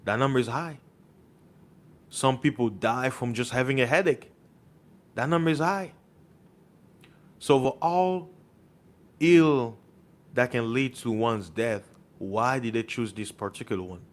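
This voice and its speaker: A man's voice: mid-range voice, unhurried, pauses often. A man delivering an impassioned monologue as an online preacher, insistent and full of rhetorical questions, repeating words for emphasis.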